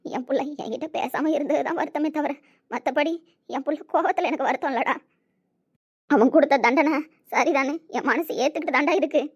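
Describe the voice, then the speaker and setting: A woman playing a tender, tearful mother in a scripted family drama, speaking softly and affectionately. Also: high-pitched, a little fast, natural voice. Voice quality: soft, pleading, affectionate. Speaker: mother character.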